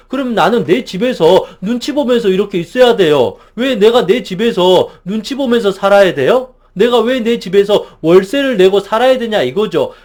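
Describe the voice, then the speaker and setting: A man lecturing as a counselor, talking emphatically and asking the listener rhetorical questions. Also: high voice. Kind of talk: motivational psychology lecture.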